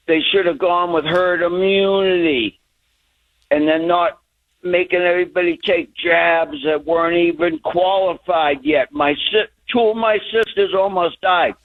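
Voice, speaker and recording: A man in his sixties rants heatedly over a tinny phone line. His voice sits high for a man, and he speaks at an unhurried, drawn-out pace. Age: 60s. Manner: heated, ranting. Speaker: caller. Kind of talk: call-in radio rant.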